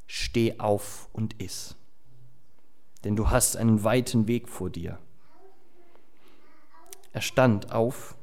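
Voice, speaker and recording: A man preaching, reading scripture and chatting casually with the congregation with fillers and asides. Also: mid-range voice. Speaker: pastor. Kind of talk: sermon with Bible reading.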